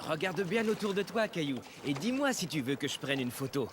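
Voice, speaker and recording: A man's voice: fairly high pitch, big pitch swings, fairly quick, music in the background. A man playing a helpful, patient cartoon father who explains things encouragingly. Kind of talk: cartoon dubbing.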